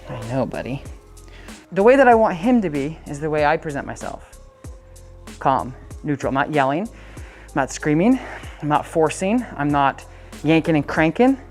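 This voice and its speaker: A woman's voice: sits low, very animated, moderate pace, long pauses, a little mellow, faint music behind. A woman working as a dog trainer, coaching owners in a casual, chatty way and breaking off to give the dog short, upbeat commands.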